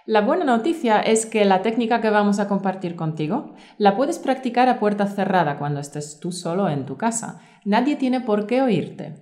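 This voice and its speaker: Female teacher, co-host, reading a course script clearly and evenly. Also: medium pitch, lively intonation, normal speed, hardly any pauses, darkish tone. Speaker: Spanish teacher, podcast co-host.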